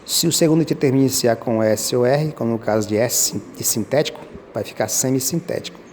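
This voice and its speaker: A man's voice: medium pitch, fairly quick, a little mellow. Patient male teacher, faint hiss. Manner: patient, repeats key points, addresses viewers directly. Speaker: teacher commenting on exam questions. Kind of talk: explaining grammar rules step by step.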